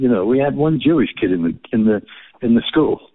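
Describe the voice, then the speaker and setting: A medium-pitched man with an English Midlands accent and lively intonation. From England, Northampton. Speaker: former band musician. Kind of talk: casual chat.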